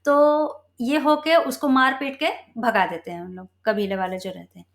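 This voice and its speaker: Woman telling a parable, slightly high voice. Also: little pitch movement, gravelly. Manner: conversational, halting with fillers and self-corrections. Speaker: spiritual storyteller. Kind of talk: casual storytelling with a moral.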